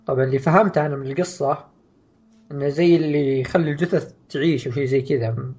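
A man's voice: on the high side, fast, darkish tone, breathy edge, muffled recording. A man co-hosting a casual podcast, offhand and dismissive in tone. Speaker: podcast co-host.

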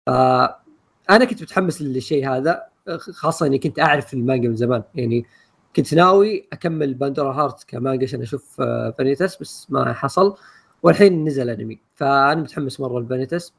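A man co-hosting a casual podcast chat, rambling quickly through his opinions with many fillers. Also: medium pitch, vocal fry. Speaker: podcast co-host.

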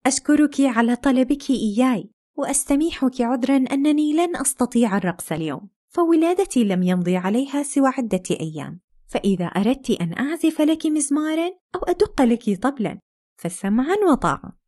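Deferential storybook gypsy dancer, as a woman puts her on, pitched up, courteous. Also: lively intonation, brisk, dark tone. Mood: polite, humble. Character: humble gypsy dancer, new mother, polite.

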